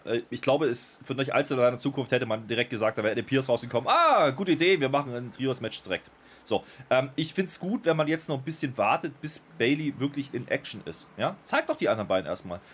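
Fast, husky-voiced man reviewing wrestling. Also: medium pitch, lively intonation. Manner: thoughtful, many fillers and restarts. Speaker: podcast co-host reviewing wrestling. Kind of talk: casual podcast review chat.

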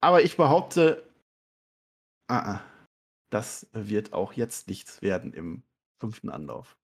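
A man's voice: lowish voice, wildly swooping pitch, takes it slowly, vocal fry, slightly rough. A man co-hosting a podcast in casual chat, teasing and sarcastic toward his partner. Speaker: podcast co-host.

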